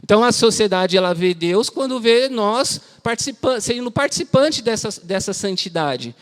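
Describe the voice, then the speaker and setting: A man's voice: sits high, expressive, moderate pace, clean tone. A man preaching an informal sermon in a church hall, telling stories in a conversational, slangy way. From Brazil. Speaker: lay preacher. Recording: long church-hall reverb.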